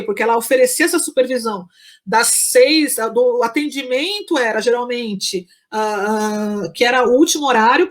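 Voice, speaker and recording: A woman, a psychology professor, telling a story in a casual interview, chatty, full of fillers and restarts, acting out what people said. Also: on the high side. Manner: chatty, many fillers and restarts, acts out quoted speech.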